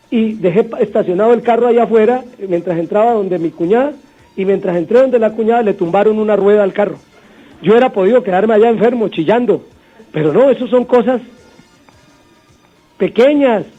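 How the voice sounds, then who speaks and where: A man's voice: sits high, a little fast. A man with a Colombian accent hosting a motivational radio sermon, repeating points and telling stories; his voice sounds strained. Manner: warm storytelling, repetitive exhortation. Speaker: radio host. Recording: dull radio broadcast, faint music.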